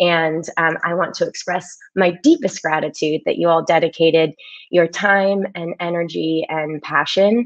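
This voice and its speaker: A woman with an American accent has an unremarkable speaking voice, fairly low in pitch, with fairly even intonation at a moderate pace. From California. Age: 30s. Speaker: tech program manager. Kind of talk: conference talk. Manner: frequent filler words.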